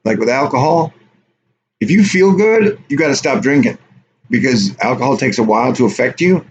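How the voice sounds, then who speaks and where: A man's voice: medium pitch, expressive, moderate pace. A man hosting a casual live stream, rambling offhand and reading viewer chat aloud. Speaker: livestream host. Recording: dull lo-fi stream audio with faint hiss.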